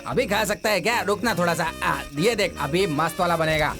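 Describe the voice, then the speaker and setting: Scheming, bragging uncle; high-pitched, showy film dub. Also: male voice, fairly quick, music in the background. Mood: coaxing. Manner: boastful, theatrical. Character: boastful comic uncle, middle-aged man, scheming. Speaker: comic maternal uncle. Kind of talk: Hindi film dubbing.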